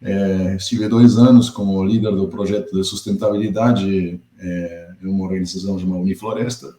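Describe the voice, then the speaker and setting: A middle-aged man from Argentina with an Argentine accent, speaking as a podcast guest in a measured, thoughtful way, often pausing to find his words. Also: low-pitched, fairly even intonation, warm tone. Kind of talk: podcast interview. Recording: echoey room.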